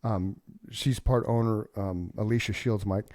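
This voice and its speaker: A man's voice: lowish voice, steady tone, measured pace, darkish tone, no room sound, clean studio sound. Man, 50s, podcast host: talkative, laughs often, stammers through restarts. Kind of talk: casual interview chat.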